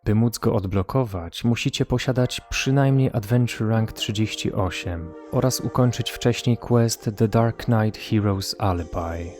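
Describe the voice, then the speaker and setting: Low-pitched Polish man narrating. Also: normal speed, few pauses, a little mellow, soft background music. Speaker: gameplay video creator. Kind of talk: scripted narration.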